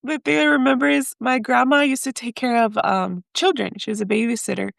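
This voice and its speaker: A woman's voice: a little high, steady tone, fairly quick, vocal fry, a bit bright, dry recording, studio quality. A woman telling her personal story as a podcast guest, speaking hesitantly and with feeling, slipping in phrases. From raised in the United States by Mexican parents. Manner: hesitant, emotional, mixes in Spanish phrases.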